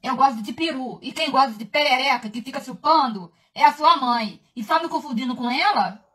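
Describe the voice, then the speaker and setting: A woman on a phone livestream, ranting at commenters in a blunt, crude way that flares into shouting. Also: high-pitched, a little fast. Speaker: social media personality.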